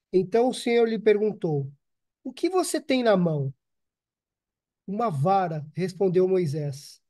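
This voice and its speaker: A man reading a Bible passage aloud in a plain, steady way. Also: sits high. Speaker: scripture reader. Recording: voice heard from away from the mic.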